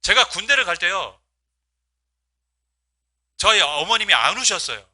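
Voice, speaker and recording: A man's voice: high-pitched, sing-song, measured pace, bright, forceful tone. A male pastor preaching a sermon, asking his congregation rhetorical questions and acting out quoted speech with feeling. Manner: voices quoted speech with rising emotional emphasis.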